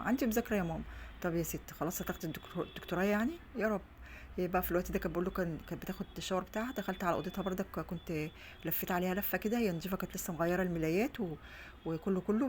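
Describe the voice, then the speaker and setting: A middle-aged Egyptian mother chats casually in a home vlog, speaking Egyptian Arabic in a fairly low-pitched voice. She rambles and restarts often, filming indoors at home on a phone set on a stand, with slight background noise.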